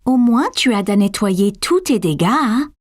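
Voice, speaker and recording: A woman's voice: a little high, animated, unhurried. A woman voicing a kind, patient, encouraging cartoon mother in a French dub, with music behind. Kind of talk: French-dubbed preschool cartoon acting.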